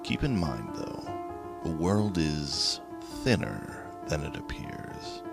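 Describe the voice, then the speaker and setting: Deep gravelly man narrating horror. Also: big pitch swings. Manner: slow, grave, ominous delivery. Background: music.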